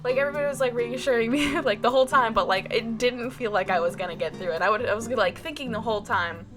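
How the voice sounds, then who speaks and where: A woman's voice: a little high, fast. A woman vlogger telling a storytime about her day, with lots of "like" and small restarts, acting out what other people said. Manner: animated retelling, heavy use of "like", mimics others. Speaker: artist vlogger. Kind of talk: storytime vlog. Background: background music.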